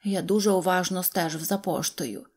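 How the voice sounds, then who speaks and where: A woman's voice: fairly low pitch, normal speed, slightly rough. A woman voicing a careful, practical male toy stationmaster in a storybook, speaking in a sober, matter-of-fact way.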